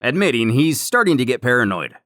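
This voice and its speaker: A man's voice: mid-range voice, sing-song, fairly quick, a bit bright, no room sound, clean studio sound. A man narrating a scripted story recap as the storyteller. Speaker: narrator recapping a comic series.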